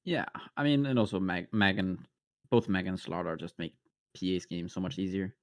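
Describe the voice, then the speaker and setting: Gravelly low-voiced male co-caster. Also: steady tone, moderate pace, dry recording. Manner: hesitant, many restarts and fillers. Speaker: esports co-caster. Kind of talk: live game commentary.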